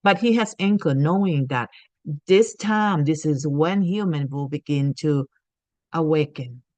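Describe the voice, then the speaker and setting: A woman's voice: sits low, measured pace, darkish tone, dry recording. A woman from Thailand giving an earnest spiritual teaching talk, often checking in with "okay?".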